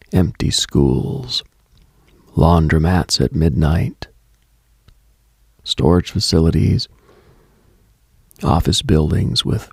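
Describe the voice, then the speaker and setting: A man hosting a late-night mystical radio show, delivering a scripted monologue in a hushed, contemplative, brooding manner. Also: low-pitched, vocal fry, breathy edge, dry recording, clean studio sound.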